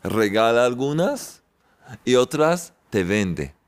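Male spiritual teacher, unhurried and resonant, repetitive and jovial. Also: mid-range voice, sing-song, clear, resonant tone. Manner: warm-hearted, repetitive, chuckling often. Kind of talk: sermon-like talk with jokes.

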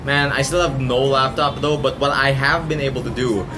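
A man's voice: medium pitch, fairly even intonation, moderate pace, a loud crowd. A man chatting casually as a podcast co-host. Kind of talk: casual chat. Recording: loud background noise.

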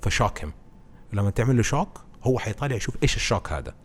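A man, a podcast guest who explains presenting skills through animated stories in casual conversation. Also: on the low side, very fast, breathy edge. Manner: animated storytelling, explains with anecdotes.

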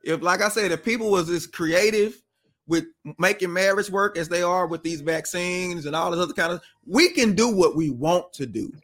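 A man's voice: high-pitched, moderate pace, fairly bright tone. A man co-hosting a casual talk show, reading out viewer comments and prodding them for answers. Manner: conversational, reads out comments and pushes for answers. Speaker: podcast co-host.

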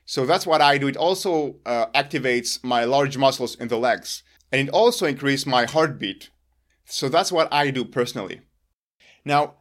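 A man whose first language is Hebrew, earnestly explaining his own exercise routine to the camera in a deliberate, emphatic way. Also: medium pitch, fairly bright tone. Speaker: longevity vlogger.

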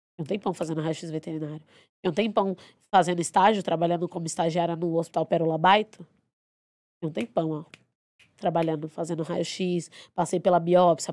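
A young adult woman and podcast guest telling her story in a blunt, animated, outspoken way, swearing freely. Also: on the low side, dry recording. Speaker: podcast guest, dance teacher. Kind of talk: casual storytelling.

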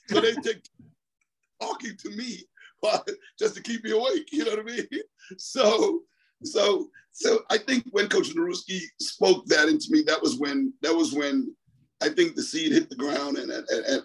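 Husky-voiced man from the Bahamas. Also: fairly high pitch, low-quality recording. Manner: rambling, repeats words, laughs often. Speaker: track coach. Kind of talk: storytelling interview on a call. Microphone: phone.

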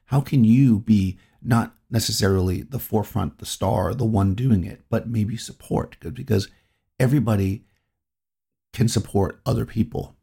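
A man's voice: on the low side, moderate pace, vocal fry, dark tone, slightly rough. A middle-aged man from New England, hosting his own podcast and talking in a reflective, rambling way that circles back on itself. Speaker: podcast host. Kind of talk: reflective solo podcast talk.

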